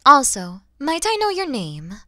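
Girl doing a gentle dragon mom for asmr, real slow n breathy, close dry sound. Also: high-pitched, wildly swooping pitch, dry recording, voice pushed up, heavily acted. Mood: grateful, gentle. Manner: soft, breathy, soothing, often near-whispered. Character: kind motherly mature female dragon, tender and grateful. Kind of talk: ASMR roleplay.

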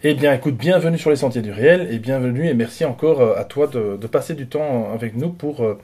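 A man's voice: medium pitch, fairly quick, warm tone, breathy edge. A man in his forties hosting a casual interview from a small home room, talking hesitantly with many fillers and restarts. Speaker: host.

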